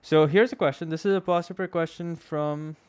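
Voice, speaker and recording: With a voice on the high side, fairly even intonation and a fairly quick, smooth delivery, a young man with a Pakistani accent teaches maths in a relaxed live stream. The recording is dry, made on a close boom-arm mic at a desk in a small indoor room. He talks conversationally, often says "okay?", and drifts between English and Urdu.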